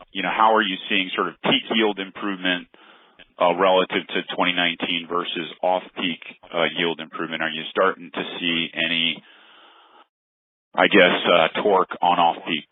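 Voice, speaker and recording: A man's voice: low voice, level tone, normal speed, no room sound. A man working as a financial analyst, putting unscripted, tentatively phrased questions on an earnings call. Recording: narrow dry phone line.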